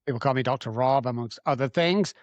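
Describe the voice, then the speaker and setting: A Mancunian man in his sixties with a northern English accent guests on a podcast, chatting casually in a blunt, joking, cocky way. He talks fast in a mid-range voice, and the lo-fi recording has no room sound.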